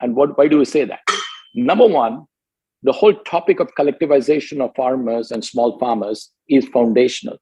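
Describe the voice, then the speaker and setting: A man giving a business presentation as a company executive, emphatic and deliberate, point by point. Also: mid-range voice, warm tone, husky, lo-fi sound.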